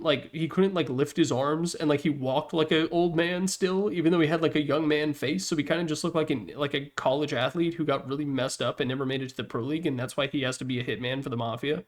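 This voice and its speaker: A man hosting a gaming video with casual, unscripted tier-list commentary, rambling along in a jokey, self-deprecating way. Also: on the high side.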